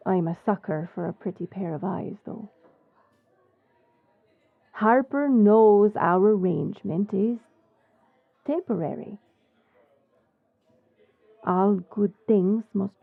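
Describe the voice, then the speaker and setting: A woman as a slow-talking roguish pirate smuggler, phone-like sound. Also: medium pitch, gravelly, dry recording. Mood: wry, roguish. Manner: unhurried, blunt, wry. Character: brash, crafty female pirate smuggler, wry and roguish. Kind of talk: swashbuckling audio roleplay acting.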